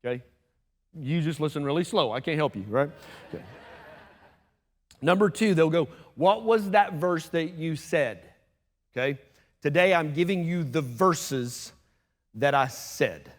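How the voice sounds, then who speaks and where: A man preaching a sermon as pastor, talking fast and conversationally with asides to the congregation. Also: a little high. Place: church sanctuary. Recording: long church hall reverb.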